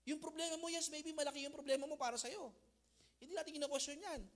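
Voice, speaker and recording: A male pastor preaching a sermon, swinging between loud emphasis and hushed intensity, often checking that listeners follow. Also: very high voice, fast. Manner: mixes Tagalog and English phrases.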